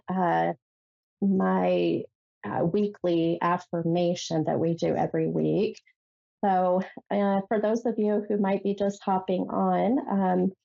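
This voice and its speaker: A woman's voice: medium pitch, creaky, mellow, dull audio. A woman hosting a psychic call-in radio show, sounding nasal from a head cold and rambling chattily with many fillers and restarts. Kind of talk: casual call-in radio monologue.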